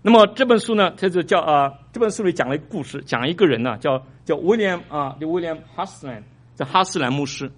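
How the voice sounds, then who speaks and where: A male pastor preaching a sermon, animated, surging louder for emphasis and repeating his phrases. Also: on the high side, a little fast. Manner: repeats phrases, small restarts.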